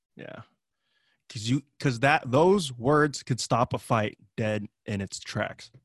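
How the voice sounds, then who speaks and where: Loud and very slow, a man talks at a medium pitch in a dry, close recording with no echo. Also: ordinary pitch variation. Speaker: podcast co-host. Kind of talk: casual chat.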